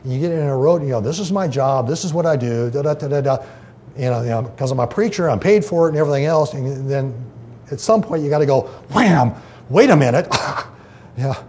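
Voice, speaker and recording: A man's voice: medium pitch, animated, a little fast, dark tone, a little hiss or hum. A man preaching, teaching scripture in a loose, conversational way, often breaking off to read a quoted passage aloud. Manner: conversational, many fillers and restarts, reads quotations aloud. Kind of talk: informal Bible teaching.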